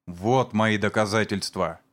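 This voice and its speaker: A man voicing a vengeful man who sneers at and shouts accusations against his brother-in-law. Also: lowish voice, a little slow. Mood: sneering accusation.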